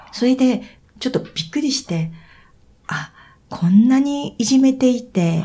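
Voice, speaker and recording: A woman with a dark, mellow tone talks at a moderate pace, sounding somewhat breathy. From Hokkaido, Japan. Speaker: painter and author. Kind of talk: interview.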